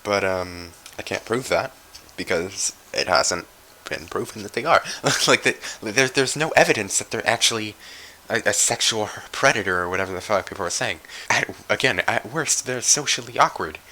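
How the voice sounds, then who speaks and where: Raspy guy w a deep voice just rambling into his mic, kinda bright tone, cusses a lot. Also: moderate pace, poor audio. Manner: rambling, swears freely, trails off with fillers. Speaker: commentary YouTuber. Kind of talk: casual unscripted commentary.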